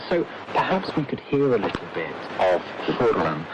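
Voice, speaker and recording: Lively male radio presenter on noisy shortwave. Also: fairly low pitch, normal speed. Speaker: radio news presenter and interviewer. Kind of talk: broadcast news magazine presenting.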